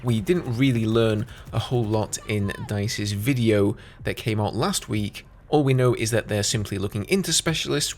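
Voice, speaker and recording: A man's voice: fairly low pitch, slight background noise. A man giving casual, conversational gaming news commentary as a YouTuber, explaining things as he goes.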